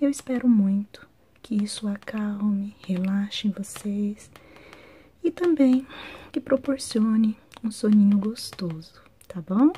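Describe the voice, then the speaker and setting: The voice is whispering and soft-spoken at a very slow pace. Long pauses come often. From Brazil. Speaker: ASMR creator. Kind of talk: casual talk to camera. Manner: soft-spoken, whispered.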